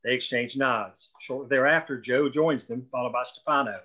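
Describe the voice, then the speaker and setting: A man's voice: medium pitch, normal speed, sharp tone. A man reading screenplay stage directions as scripted narration at a table read, on dull lo-fi audio.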